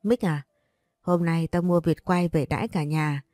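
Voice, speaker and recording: A woman's voice: low-pitched, fairly even intonation, measured pace, warm tone, no room sound, studio quality, soft background music. A woman voicing a spiteful young daughter-in-law who speaks snappily and sarcastically. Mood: taunting.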